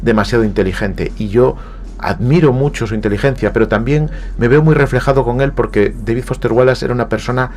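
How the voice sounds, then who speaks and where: A fairly quick, mid-range and slightly mellow voice comes from a Galician writer with a Spanish accent, appearing as a radio interview guest in the studio. Reflective, he often hesitates and repeats words, with slight background noise.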